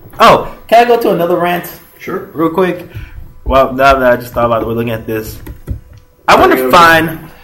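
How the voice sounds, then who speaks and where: Someone with an American accent talks at a fairly quick pace with very wide pitch swings, over noticeable background noise. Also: man, fairly high pitch for a man. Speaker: sports podcast co-host. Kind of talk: casual chat. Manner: loud; animated.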